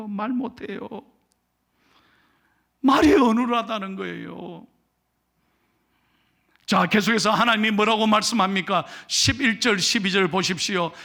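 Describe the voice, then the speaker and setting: A man preaching a sermon as pastor from a church pulpit, animated and acting out scripture dialogue. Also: high voice, gravelly.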